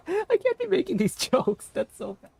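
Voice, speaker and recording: A man's voice: very high-pitched, huge pitch swings, unhurried, vocal fry, a little mellow, a little hiss or hum. A man streaming a game, commenting casually in a giggly, rambling, self-deprecating way into a headset.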